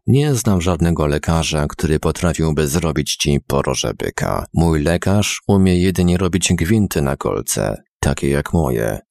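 Man reading as a scared young guy spilling his lies, deep and rough. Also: a little mellow, no room sound, studio quality, exaggerated voice. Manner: nervous, hurried confession.

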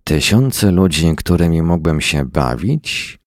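A man reading the lines of a cruel, childlike fiery alien being in a silky, slow, toying voice. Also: deep voice, animated, dry recording, clean studio sound. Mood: greedy.

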